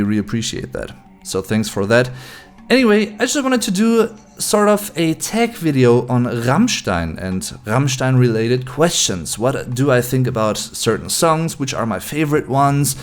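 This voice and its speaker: This is a German man in his late twenties, a YouTube host speaking casually to camera in English peppered with German words. German is his native language and his accent shows it. His voice is smooth and mid-range.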